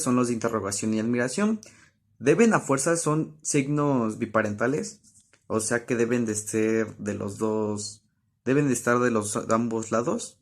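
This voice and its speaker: A young man giving a study-review explanation of spelling rules, halting, with many fillers and self-corrections. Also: mid-range voice. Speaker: student presenter.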